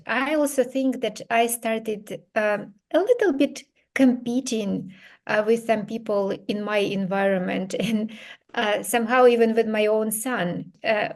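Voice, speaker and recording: A woman from Ukraine with a Ukrainian accent, a podcast guest who answers slowly and thoughtfully, with many hesitations. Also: mid-range voice, a little mellow. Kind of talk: interview answers.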